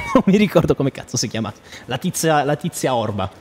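A man giving excitable gameplay commentary as a streamer, shouting at the boss and joking boastfully. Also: mid-range voice, moderate pace. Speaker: gaming streamer. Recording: loud game music behind.

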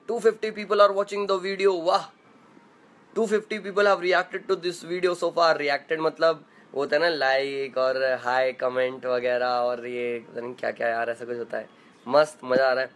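A young man with a slightly high, fairly bright voice hosts a casual live stream from his room at home. He chats playfully, reading viewers' comments aloud and greeting them by name.

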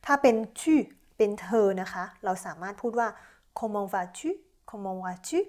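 A Thai woman teaching a French lesson, slowly reading out model sentences and explaining each one politely. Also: mid-range voice, lively intonation, a little mellow. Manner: slow, drawn-out model sentences, polite particles. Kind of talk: language lesson explaining verb conjugation.

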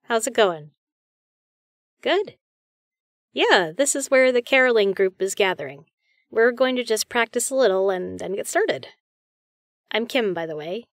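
A woman's voice: a little high, lively intonation, unhurried, long pauses, no echo. Woman doing a friendly girl caroler for roleplay audio, chatty n reassuring, takes her time, close dry sound. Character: friendly, chatty young female caroler welcoming a newcomer. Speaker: voice actor. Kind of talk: roleplay audio, intimate one-sided conversation.

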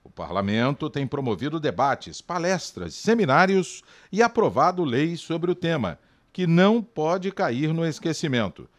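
A man reading a scripted news report in a measured newsreader delivery. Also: fairly high pitch, very animated.

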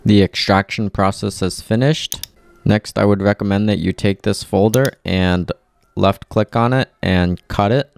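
Male tutorial presenter, deep register, clean resonant tone, methodical step-by-step delivery, dry close recording. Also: darkish tone. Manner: clear, methodical instructing. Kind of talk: step-by-step software tutorial voice-over.

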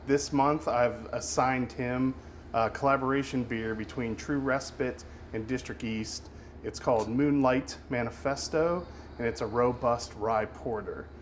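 A man's voice: mid-range voice, a little slow, slight background noise. A man hosting a podcast, chatting in a friendly joking way with a guest chef. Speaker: podcast host. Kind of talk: casual interview chat.

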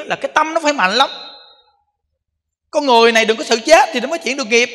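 A Southern Vietnamese monk preaches in a high, bright voice, hammering his points home with repeated phrases and rhetorical questions. His voice carries a long reverb, as if it fills a large temple hall. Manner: emphatic, repetitive, rhetorical questions to the audience. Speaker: Buddhist monk giving a dharma talk. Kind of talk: sermon.

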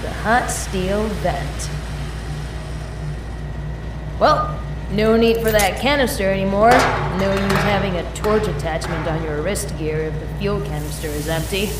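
A woman's voice: mid-range voice, recorded from a distance, lightly acted. Actress as an irreverent mechanic woman, echoey and off-mic. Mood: playful. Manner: wry, playful, talking to herself. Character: irreverent, chatty mechanic named Kay recording a message. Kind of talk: audio drama monologue, casual and rambling. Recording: echoey metal duct, off-mic, clear ambient noise.

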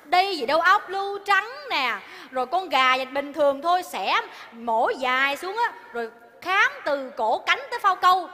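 Brief: shrill, bossy restaurant wife, high and sharp, comedy sketch, hall reverb. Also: female voice, expressive, moderate pace, few pauses. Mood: scolding. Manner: scolding, theatrical. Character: bossy nagging Vietnamese-American restaurant wife.

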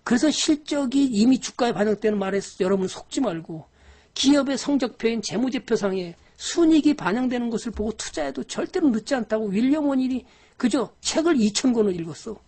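A woman's voice: on the high side, lively intonation, a little fast, mellow. A woman giving a live-streamed lecture on stock investing. She talks to viewers directly in a scolding, exasperated way, with frequent sighs.

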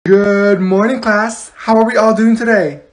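A woman's voice: medium pitch, normal speed, lightly acted. A woman playing a bossy, falsely cheerful schoolteacher in a comedy classroom skit, with a snappy sing-song manner. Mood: perky, chirpy. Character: bossy, fake-cheerful female schoolteacher scolding her class.

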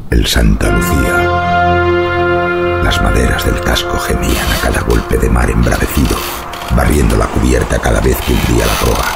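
A man narrating a horror audiobook in a gravelly voice, with slow, ominous, dramatic delivery. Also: a bass voice.

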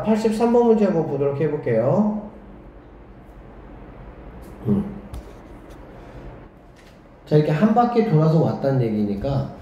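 A man's voice: a little high, dark tone, a little hiss or hum. A man teaching a math lesson at the board who keeps checking in with rhetorical questions and murmurs as he draws. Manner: talks while drawing on the board, murmuring along. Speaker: academy director teaching math. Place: classroom. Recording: echoey classroom on a dull lo-fi mic.

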